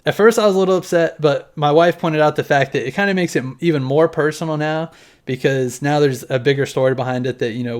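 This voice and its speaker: A man in his thirties talking casually to camera at home, showing off his collection in a loose, rambling way and swearing now and then. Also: fairly high pitch. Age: 30s. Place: home room with collection on display.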